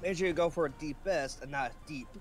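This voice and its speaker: A man chatting casually as a fellow player in a game, giving brief, low-key replies that sound distant. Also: brisk, faint music behind.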